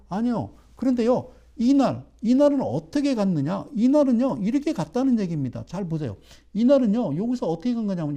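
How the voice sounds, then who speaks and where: A man's voice: sits high, dark tone. A middle-aged man giving a broadcast trading lecture, emphatic and firing rhetorical questions at his viewers.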